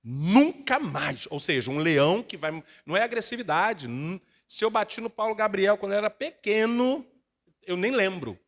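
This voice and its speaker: A middle-aged male pastor preaching a sermon, acting out family members' voices in lively bursts. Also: high voice, moderate pace.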